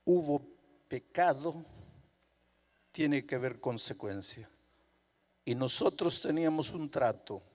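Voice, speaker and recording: A man's voice: medium pitch, expressive, a little mellow. A man preacher voicing a stern but loving mother who firmly insists her son must face the punishment he earned. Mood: grave. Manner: firm, measured, insistent. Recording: reverberant hall.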